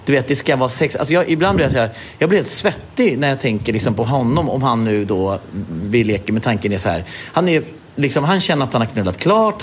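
A man co-hosting a podcast in loose, casual chat. He rambles, swears freely and acts out little scenes. His pitch swings widely, and a faint background hum sits under his voice. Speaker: podcast co-host.

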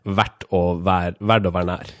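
A man's voice: deep voice, level tone, clear, resonant tone, no room sound, studio quality. A man hosting a casual chat show with media commentary. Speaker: podcast host.

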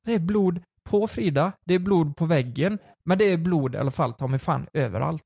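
A man in his twenties chatting casually, telling a story with lively energy and plenty of swearing. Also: fairly high pitch, vocal fry, slightly rough, no room sound. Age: 20s. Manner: animated storyteller, swears freely. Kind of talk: casual chat.

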